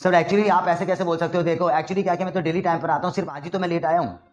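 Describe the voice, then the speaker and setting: A man's voice: sits high, steady tone, racing, muffled recording, lightly acted. A man playing a defensive student talking back. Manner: protesting, argumentative. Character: defensive young male student answering back. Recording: roomy echo.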